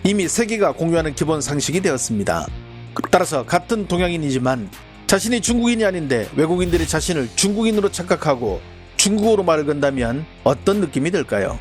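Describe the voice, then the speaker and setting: A man's voice: on the high side, very animated, soft background music. A man narrating as a channel host in a formal, scripted news-commentary style. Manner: brisk, formal delivery.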